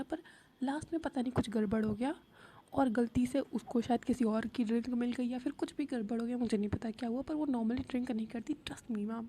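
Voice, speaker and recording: Woman doing nervous student girl rushing her excuses, breathy low-bright voice. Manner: hurried, nervous explaining. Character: flustered young woman student, nervous friend.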